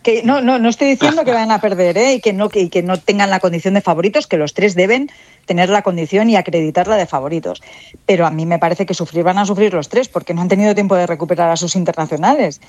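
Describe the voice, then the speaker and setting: Fast, emphatic man pundit. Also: sits high, no echo. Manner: emphatic, animated. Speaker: radio sports pundit.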